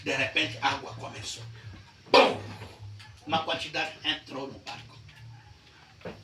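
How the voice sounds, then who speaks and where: Brazilian pastor preaching, slow and bright, echoey church mic from far off. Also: male voice, fairly high pitch, little pitch movement, faint music behind. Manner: dramatic storytelling that swings between hushed tones and shouts. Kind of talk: sermon. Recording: echoey church heard from a distance.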